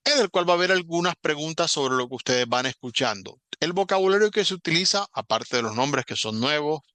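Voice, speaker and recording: A man teaching an online English class, patiently explaining step by step and saying English words slowly as examples. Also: on the high side, expressive, pushed and bright, no echo.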